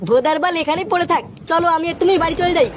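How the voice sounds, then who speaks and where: A woman voicing an excitable, impatient young male sidekick in a comedy cartoon, slangy and fretful. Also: very high-pitched, rapid-fire, background noise.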